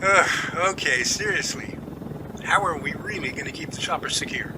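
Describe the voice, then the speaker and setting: A man's voice: fairly high pitch, moderate pace, lightly acted. A man playing an incredulous, wisecracking helicopter crewman with exaggerated disbelief in an amateur audio drama. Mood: amused disbelief. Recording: noisy radio-drama track with aircraft-like ambience.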